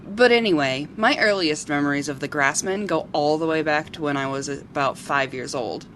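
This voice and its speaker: A woman acting as a sincere local television reporter in a radio drama. Her delivery is measured and story-like, with faint noise on the homemade recording. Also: low voice, fairly bright tone. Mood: nostalgic. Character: sincere female local TV reporter who loves wild creatures. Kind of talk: amateur audio drama dialogue.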